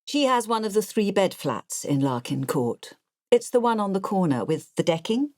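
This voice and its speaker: A woman's voice: mid-range voice, big pitch swings, moderate pace, a little mellow, no echo, clean studio sound, close to an everyday voice. A woman voicing an artless, chatty retired nurse in her later years, narrating an audiobook in an English accent, confiding and matter-of-fact as she digresses. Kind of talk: audiobook first-person narration.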